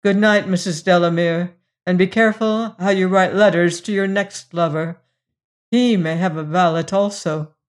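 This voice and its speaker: A proud young gypsy woman of the slums, as a woman narrator plays her in a storybook reading. She speaks gravely and curtly, keeping herself in check with noble scorn. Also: lowish voice, steady tone, normal speed, close to an everyday voice. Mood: contemptuous, tranquil. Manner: curt, grave, self-controlled.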